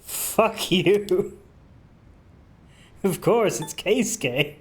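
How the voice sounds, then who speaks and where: A man's voice: high-pitched, animated, drawn-out words, soft background music. A man playing a video game with casual, sardonic, sweary commentary. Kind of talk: casual let's play commentary.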